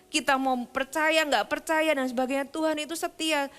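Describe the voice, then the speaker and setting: A woman's voice: sits high, fairly even intonation, moderate pace, fairly bright tone. A woman pastor preaching a sermon in an earnest, conversational way, speaking straight to her listeners.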